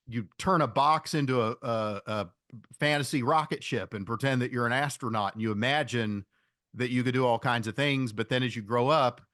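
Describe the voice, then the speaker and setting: A man with a mid-pitched voice answers as an interview guest. He sounds reflective and conversational, feeling his way haltingly through each thought. The sound is dry, with little room echo. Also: fairly bright tone. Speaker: podcast guest, investor.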